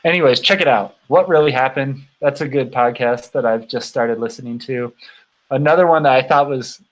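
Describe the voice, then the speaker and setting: A man in his thirties chatting casually as host of a livestream, halting and rambling, his voice tired from long talking. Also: medium pitch, rough recording. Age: 30s. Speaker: host of a bicycle touring channel.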